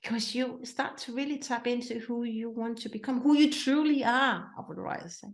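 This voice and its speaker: Fairly high-pitched and moderately paced, a woman from Denmark with a Danish accent is heard with a roomy sound. Working as a mindset coach and host, she gives listeners a motivational talk and poses many questions to them.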